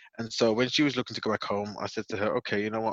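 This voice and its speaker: A very fast man with a Birmingham accent, fairly low pitch, monotone flat intonation, and a dry, close sound with no echo. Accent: Birmingham (Brummie) English. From Birmingham, England (Handsworth). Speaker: expat in Germany. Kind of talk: casual chat.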